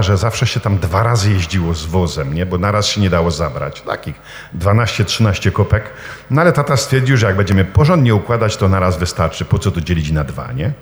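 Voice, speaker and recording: Lively preaching man in an echoing hall. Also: lowish voice. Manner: lively storytelling with rhetorical questions and humor. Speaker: priest preaching. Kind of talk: sermon.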